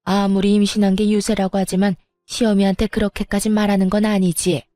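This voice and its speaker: A woman's voice: mid-range voice, flat delivery, a little fast, dark tone, no room sound, studio quality, faint music behind, natural voice. A woman doing a sneering, bullying mother-in-law. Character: angry scolding older mother-in-law.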